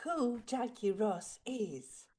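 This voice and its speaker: A woman hosting a podcast interview, greeting her guest and asking questions in a warm, welcoming way. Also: fairly high pitch, lively intonation, extremely slow. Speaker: podcast host.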